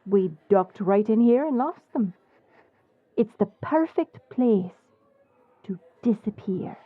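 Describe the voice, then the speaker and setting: A woman as a slow-talking roguish pirate smuggler, phone-like sound. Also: medium pitch, animated, no room sound. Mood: confident, pitching. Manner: unhurried, blunt, wry. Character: brash, crafty female pirate smuggler, wry and roguish. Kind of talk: swashbuckling audio roleplay acting.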